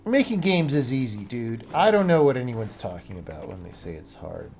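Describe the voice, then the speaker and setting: A man's voice: mid-range voice, big pitch swings, moderate pace, vocal fry, a little mellow, soft background music. A man live streaming as he programs a game, thinking aloud casually in short fragments, blunt and sardonic, with casual swearing. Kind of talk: casual off-the-cuff coding commentary.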